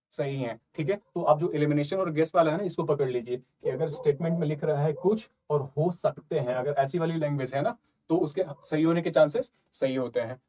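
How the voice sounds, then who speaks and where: Here a male exam prep tutor, his voice a little high and warm in tone, explains exam questions conversationally. He often checks that his listeners are with him and repeatedly says "ठीक है" and "ना".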